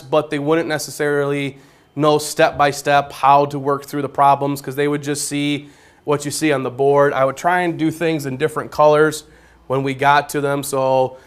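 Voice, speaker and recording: A man who teaches geometry, walking through how he records video notes, with a naturally loud voice and a plain step-by-step way of explaining. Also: on the high side, clear, resonant tone. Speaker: high school geometry teacher. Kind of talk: classroom technology demonstration.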